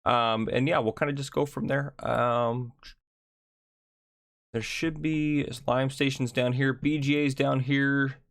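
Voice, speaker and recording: Gravelly-voiced man giving a casual game tour. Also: medium pitch, steady tone, fairly bright tone, no room sound, clean studio sound. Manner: chatty, thinks aloud with ums and quick asides. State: gravelly morning voice. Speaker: gaming channel host.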